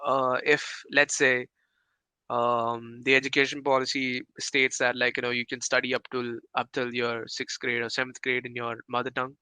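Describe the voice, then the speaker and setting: A man's voice: medium pitch, flat delivery, normal speed, sharp tone, smooth, no echo, rough recording. A young man from India with an Indian English accent, chatting casually on a podcast, hesitant with many fillers and restarts. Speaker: podcast co-host.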